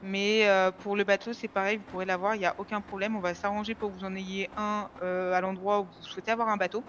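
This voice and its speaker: A man playing a calm, polite, procedural police negotiator in an online game roleplay, speaking hesitantly and formally. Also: high-pitched, quick pace, highs cut off, a little hiss or hum. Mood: conciliatory.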